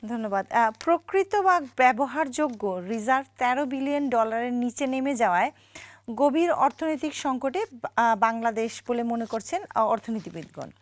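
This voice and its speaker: A woman's voice: fairly high pitch, lively intonation, normal speed, no room sound. A woman presenting a TV news show, asking a guest formal, polite interview questions.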